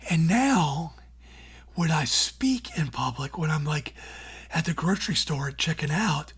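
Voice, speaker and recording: A middle-aged man who hosts a radio show, answering interview questions in a breathy, raspy, near-whispered voice, earnest and plainspoken with casual fillers. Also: a little high, lively intonation, a little slow, fairly bright tone. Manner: earnest and plainspoken, with many "you know" and "like" fillers. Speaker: radio show host and former newspaper columnist.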